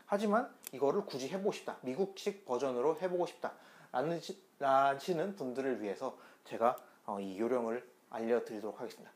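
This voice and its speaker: A man's voice: mid-range voice, brisk. A man giving an online pronunciation lesson, explaining step by step and repeating demonstration sounds in a chatty teaching tone.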